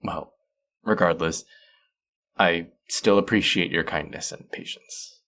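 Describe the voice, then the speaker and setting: Guy acting as a friendly teasing young dude, really low voice, takes his time, casual roleplay style. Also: steady tone, takes it slowly, pushed and bright, heavily acted. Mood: warm, polite. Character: friendly, teasing, bashful young male traveler. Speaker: voice actor in an audio roleplay. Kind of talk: intimate one-sided roleplay acting, conversational.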